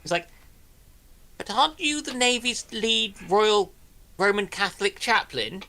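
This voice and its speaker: Guy with a really bright crisp-edged voice, dry humour, casual panel chat. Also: high voice, lively intonation, unhurried. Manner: dry, joking. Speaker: panel guest.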